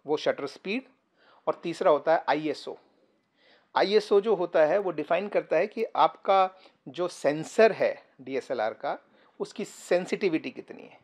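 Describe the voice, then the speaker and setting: A man with a voice a little higher than most gives a patient photography lesson straight to the camera. He explains one idea at a time, pausing often and filling gaps with short hesitations. He sits indoors on a sofa, picked up by a camera a few feet away. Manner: patient, step-by-step explaining with frequent pauses and fillers. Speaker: photography teacher. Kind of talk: casual explainer tutorial to camera. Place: indoor room, seated on a sofa. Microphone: camera about three feet away.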